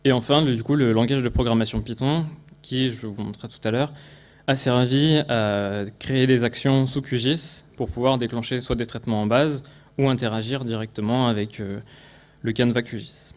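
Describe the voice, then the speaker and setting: A man with a French accent from France speaks as a conference presenter explaining a technical project. His voice sits at a medium pitch. The delivery is halting, with phrases restarted and small words repeated as he goes. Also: fairly even intonation.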